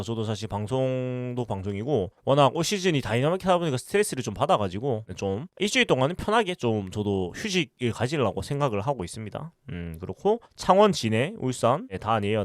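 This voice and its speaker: A man's voice: medium pitch, no echo, studio quality. A man from Busan with a Busan accent, chatting casually on a livestream and answering viewer comments. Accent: Busan Gyeongsang dialect with western Gyeongsang touches. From Busan, South Korea. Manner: talkative, reads out and answers chat questions, many fillers. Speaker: livestream host.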